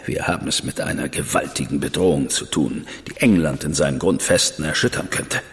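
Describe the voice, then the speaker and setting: A man's voice: a bass voice, fairly quick, long reverb tail. An actor playing a stern, formal government man in an audio drama. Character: stern, proper government man, older brother figure. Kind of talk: German audio drama acting.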